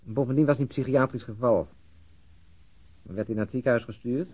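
Actor as a husky, cynical police detective. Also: male voice, medium pitch, fairly quick, darkish tone, close to an everyday voice. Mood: insistent, argumentative. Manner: argumentative, sardonic. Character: cynical, weary, outspoken male police detective. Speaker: actor in a radio crime drama. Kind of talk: Dutch-language radio play acting. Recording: dull, muffled lo-fi audio.

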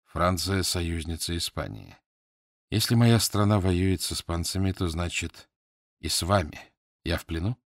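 A male reader voicing a wounded captive English lord, speaking hoarsely, slowly and wearily in a low voice. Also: lively intonation, no room sound, studio quality. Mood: weary.

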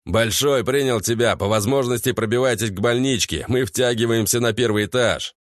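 Give me a man doing a gruff male commander barking short orders in an audiobook, medium pitch. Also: moderate pace, dry recording, clean studio sound, close to an everyday voice. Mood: commanding. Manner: curt barked orders with swearing. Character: gruff male squad commander, blunt, swearing. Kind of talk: audiobook character voice.

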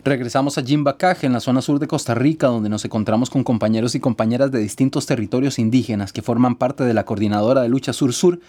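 A man presenting a community radio program with brisk, formal scripted narration. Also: mid-range voice, fairly even intonation, dark tone.

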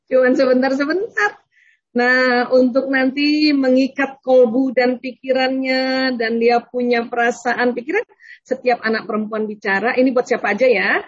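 A woman giving a religious talk on parenting, lively and often laughing as she acts out prayers and children. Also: high-pitched, lo-fi sound. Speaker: speaker on Islamic parenting. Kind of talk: religious talk with audience questions.

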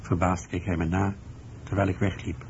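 A deep-voiced male researcher recalls the past in sober, measured storytelling for a radio documentary drama. The recording is muffled, with some noise behind the voice. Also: level tone, vocal fry, a little mellow. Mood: sober, reflective. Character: male researcher and author, sober, recalling his last meeting. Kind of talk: scripted first-person narration in a radio documentary drama.

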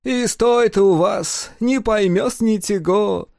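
A man voicing a proud foreign Greek merchant in a storybook, who speaks slowly in a high voice. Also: vocal fry, darkish tone, dry recording, studio quality, heavily acted. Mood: smug. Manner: slow, drawling, high-pitched.

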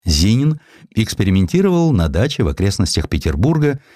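A man's voice: fairly low pitch, big pitch swings, brisk, warm tone, dry recording, clean studio sound. A man narrating historical sketches as a scripted audiobook, in a theatrical storytelling manner that addresses the listener.

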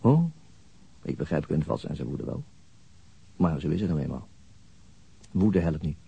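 An actor playing a weary, brooding middle-aged police detective in a radio drama, restrained and husky. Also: male voice, rumbling low, lively intonation, unhurried, warm tone, highs cut off, exaggerated voice. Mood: weary, resigned. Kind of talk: radio drama dialogue and inner narration.

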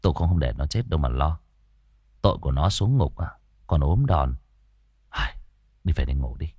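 A man voicing Cậu Tẩy, a stern young male exorcist who talks low, curt and muttered. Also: sing-song, normal speed, darkish tone, breathy edge, dry recording, heavily acted.

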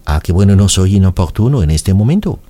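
A man playing a flowery, courtly French suitor in his forties on a prank call. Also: low-pitched. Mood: courteous. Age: 40s. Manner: flowery, courtly, slow romantic flattery. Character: smooth-talking French suitor man, middle-aged.

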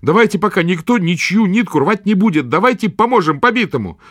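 A man's voice: sits high, animated, brisk, fairly bright tone, dry recording, studio quality, voice pushed up. A man voicing an earnest young village lad who speaks urgently and pleadingly.

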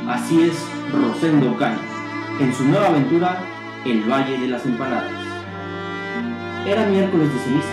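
Narrator for old-time radio drama: Mexican man, theatrical announcing, roomy sound over clear string music. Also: mid-range voice, lively intonation, moderate pace.

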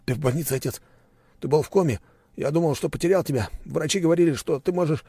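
Brief: distraught young son, stammering and tearful, husky and raised. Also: male voice, fairly high pitch, quick pace, dark tone, no room sound, pitched above the performer's own voice. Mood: desperate, tearful. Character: young adult man, distraught sobbing son. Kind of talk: audiobook character voice.

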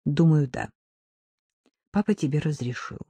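A woman voicing a gentle, somewhat anxious young mother in an audiobook. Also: sits low, animated, a little slow, gravelly, husky, no room sound, heavily acted. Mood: motherly.

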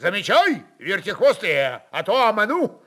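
A man acts out a big, boastful Cossack hawker from an audio drama. He bawls and teases in a raised, high voice that swings widely as he brags about his wares. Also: wildly swooping pitch, unhurried, fairly bright tone, heavily acted. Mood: boastful, loud. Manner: bawling, bragging, teasing. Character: tall big-nosed boastful Cossack hawking a carpet.

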